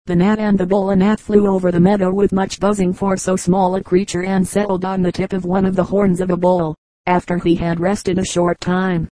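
A woman reading fables aloud in a measured, even storybook narration. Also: fairly low pitch, dry recording, poor audio. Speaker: audiobook reader.

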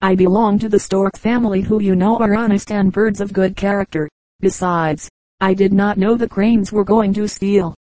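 A woman's voice: mid-range voice, fairly even intonation, moderate pace, mellow, dry recording, natural voice, poor audio. A woman voicing a simple, trusting male stork in a storybook reading, pleading earnestly.

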